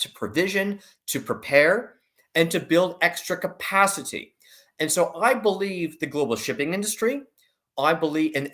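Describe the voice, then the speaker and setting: A man giving opinionated market commentary in an online discussion, emphatic and deliberate, laying out his points in lists. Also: a little high, a bit bright. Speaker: investment analyst guest.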